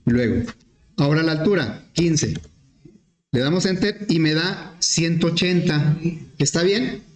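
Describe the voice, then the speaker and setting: A man teaching programming, explaining step by step with questions to the class and often clearing his throat. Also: a little high, unhurried. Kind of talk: screen-recorded class explanation. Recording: echoey room.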